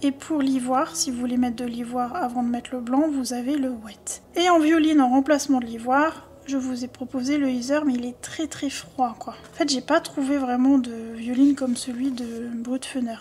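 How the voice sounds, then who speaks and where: High-voiced woman explaining pencil colors. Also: darkish tone, a little hiss or hum. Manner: chatty, listing color codes, self-deprecating asides. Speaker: art tutorial host. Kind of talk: casual drawing tutorial.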